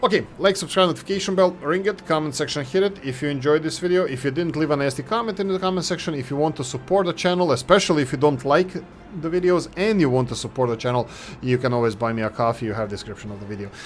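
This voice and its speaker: With a non-native accent, a man talks at a very fast pace in a fairly high pitch with lively intonation. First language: not English. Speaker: gaming youtuber. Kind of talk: gameplay commentary; channel outro. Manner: casual, halting with fillers.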